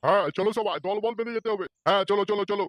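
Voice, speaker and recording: A man's voice: sits high, fairly even intonation, very fast, a bit bright, no echo. A man voicing an irate, blustering village man in a comedy cartoon, with a scolding, agitated manner. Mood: indignant. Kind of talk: Bengali comedy cartoon dubbing.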